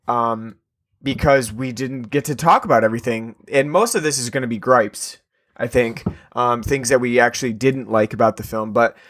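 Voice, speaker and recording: A man's voice: medium pitch, fairly bright tone. A man co-hosting a casual horror film podcast, talking loosely with many ums and restarts. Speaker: podcast co-host.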